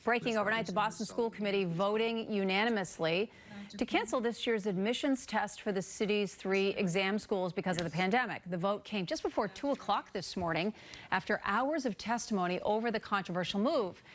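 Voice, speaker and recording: A woman's voice: medium pitch, fairly quick. A woman news anchor reading scripted morning news headlines in a broadcast style.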